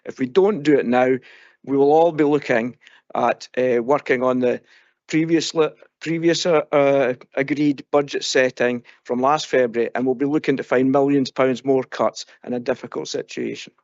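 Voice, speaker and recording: A man's voice: mid-range voice, moderate pace, darkish tone, dry recording, muffled recording. A man who is an elected councillor, giving a formal prepared speech to propose a motion at a council meeting.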